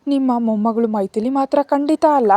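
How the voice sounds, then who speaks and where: Humble young nanny, read by a woman, earnest and polite, mellow high-ish voice. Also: a little fast, no echo, natural voice.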